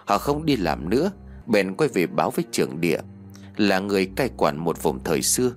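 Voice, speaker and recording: A man voicing a frail, weary old village elder recounting a dark village legend. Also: low voice, very animated, a little fast, faint music behind. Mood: solemn.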